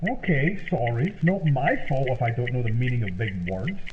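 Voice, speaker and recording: A man playing a naive, over-excited, dim-witted best friend in old-time radio comedy style, eager and apologetic. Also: medium pitch, normal speed, natural voice. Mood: sheepish. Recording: noisy, tinny old-time radio sound.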